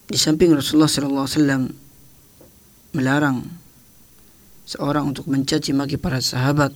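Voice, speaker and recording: A man teaching religion on the radio, speaking in short halting phrases with frequent tag words. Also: fairly high pitch. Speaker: Islamic teacher.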